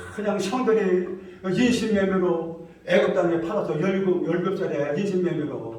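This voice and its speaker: A man shouts loudly and in an animated way at a high pitch, fairly slowly with ordinary pitch variation, with audible room echo and noticeable background noise. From Korea, Chungcheong province. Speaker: pastor. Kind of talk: sermon. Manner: loud, shouting.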